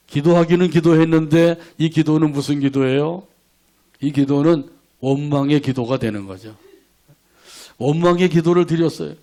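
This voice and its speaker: A man's voice: on the high side, moderate pace, mellow. A man preaching a sermon as pastor, asking the congregation rhetorical questions and leading them in repeating scripture line by line. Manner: leads congregation in call-and-response verse reading; asks rhetorical questions, acts out quoted prayers.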